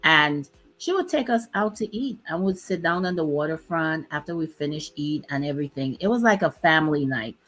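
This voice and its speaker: Low-voiced woman, host of a laid-back chat; talkative, laughs easily. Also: animated, fairly bright tone, a little hiss or hum. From Dominica. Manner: chatty, laughs often, drawn-out emphasis. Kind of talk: casual chat.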